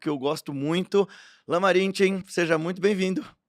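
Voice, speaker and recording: A man speaks at a moderate pace with a high pitch. The recording is very clean and dry, with a silent background and no echo. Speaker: podcast host. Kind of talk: interview. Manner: energetic.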